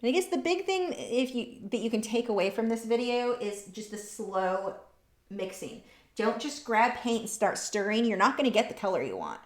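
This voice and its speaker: A woman's voice: on the high side, very animated, normal speed, roomy sound. A woman running a live painting lesson, chatting casually and reading out viewers' comments as she works. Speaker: art instructor. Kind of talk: live painting tutorial with chat.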